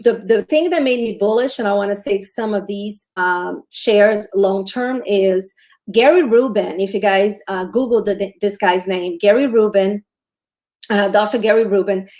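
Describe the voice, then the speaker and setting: A Brazilian woman in her forties, a trader with a Brazilian Portuguese accent, hosts a casual stock livestream, answering viewer questions and often restarting her sentences. She talks at a measured pace in a medium-pitched, slightly mellow voice.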